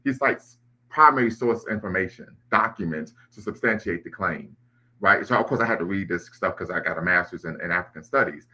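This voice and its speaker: A man with a very low, deep voice and a bright, forceful edge hosts a live online discussion. He lectures at length, citing history and sources, and often restarts his sentences. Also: animated, fairly quick. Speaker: livestream host.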